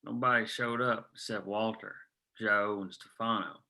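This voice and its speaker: A man's voice: on the low side, steady tone, normal speed, pushed and bright. A man playing a blunt, exasperated union-minded coal miner at a drama script table read. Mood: dry reproach. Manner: blunt, clipped lines.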